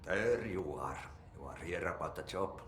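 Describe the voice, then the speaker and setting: A man's voice: low voice, animated, normal speed. A man playing a blunt, cryptic old janitor in a game, with a Finnish accent and a terse, matter-of-fact manner. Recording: echoey room, music behind.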